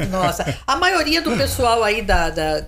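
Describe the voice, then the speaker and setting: Room echo is audible as a woman talks at a fairly high pitch with vocal fry. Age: 60s. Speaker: retired teacher. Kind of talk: interview.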